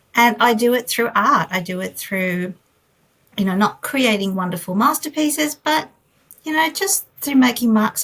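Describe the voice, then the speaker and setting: A woman with an Australian accent, lively intonation and a moderate pace. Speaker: art therapist. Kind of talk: casual chat. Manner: halting.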